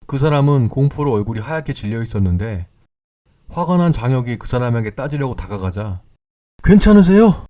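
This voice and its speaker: A man calmly narrating scripted horror stories in a measured, storytelling way. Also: medium pitch.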